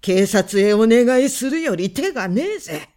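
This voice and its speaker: A woman voicing a gruff middle-aged male tavern keeper who speaks in coarse, rough phrases and sounds menacing. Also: mid-range voice, sing-song, a little slow. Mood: scornful threatening. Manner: rough, coarse, slurred working-class speech.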